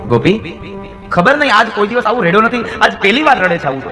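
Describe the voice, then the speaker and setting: A man's voice: high voice, big pitch swings, fast talker, music in the background, pitched above the performer's own voice. A male storyteller voicing an anxious, loving mother who fusses emphatically over her crying baby. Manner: fretful, emphatic.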